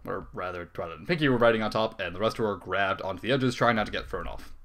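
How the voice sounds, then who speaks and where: A man's voice: low voice, fast, fairly bright tone. A man reading a comic fan story aloud as a dramatic narrator. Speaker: story reader.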